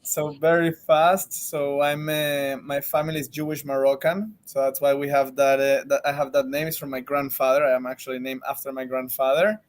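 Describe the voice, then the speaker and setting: A man's voice: mid-range voice, level tone, moderate pace, few pauses. A man from Venezuela, a marketing executive answering interview questions from his office, casual, with many fillers and restarts.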